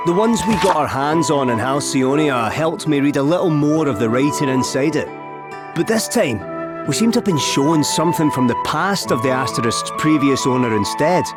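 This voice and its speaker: A man's voice: fairly high pitch, lively intonation, moderate pace, natural voice. A man playing a scholarly young traveller in a video game, explaining things in a conversational way. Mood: earnest explaining. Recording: loud music behind the voice.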